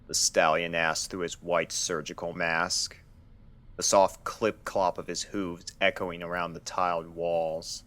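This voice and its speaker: Male narrator for scripted fiction, low-pitched voice, storytelling delivery. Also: flat delivery, a little slow, sharp tone.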